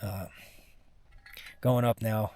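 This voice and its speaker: A man giving a casual first-person vlog monologue, sounding exhausted, with a weary, halting, rambling way of talking. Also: on the low side, steady tone, mellow, a little hiss or hum. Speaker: mountain climber recording a personal expedition vlog.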